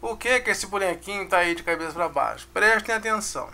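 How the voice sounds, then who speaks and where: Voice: medium pitch, expressive, a little fast, vocal fry, pushed and bright. A music teacher with a Brazilian Portuguese accent, giving a casual online lesson, counting beats aloud and checking in with the class.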